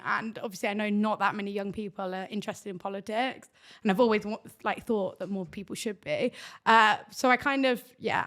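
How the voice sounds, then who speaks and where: A young woman with a loud voice, chatting enthusiastically as a podcast guest, full of "like" fillers. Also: medium pitch. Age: young adult. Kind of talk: casual interview chat.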